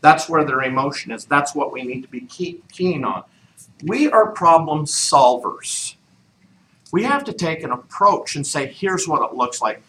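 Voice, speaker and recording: Slow, animated man coaching a room. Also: a little high. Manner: coaching with repeated questions. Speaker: real estate trainer. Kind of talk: training session talk. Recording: echoey room, mic far off.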